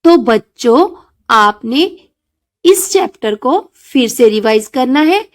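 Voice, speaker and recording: A woman's voice: high voice, lively intonation. A woman with an Indian accent teaching an online school lesson to children, patiently explaining and calling them dear. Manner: slow, patient, addresses pupils as children and dear.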